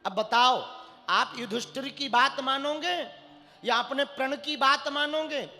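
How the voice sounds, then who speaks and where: A man preaching in an echoing hall, voicing a calm, commanding god who directs a warrior with firm words. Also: unhurried, heavily acted. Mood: reasoning. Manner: firm, commanding, high and animated. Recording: echoey hall with faint music.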